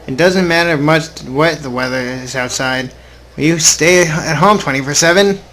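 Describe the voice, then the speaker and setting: A man's voice: on the high side, moderate pace, a bit bright, a little hiss or hum. A young adult man hosting a casual gaming video, reading story text aloud informally with offhand asides and the occasional stumble.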